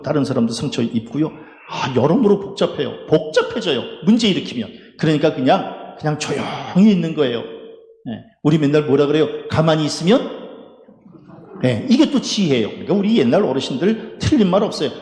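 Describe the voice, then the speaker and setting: A high-voiced male pastor preaches with a wide, animated pitch that jumps up on his rhetorical questions. He laughs briefly between points. His voice rings through a church sanctuary with a long, echoing reverb. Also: gravelly. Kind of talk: sermon.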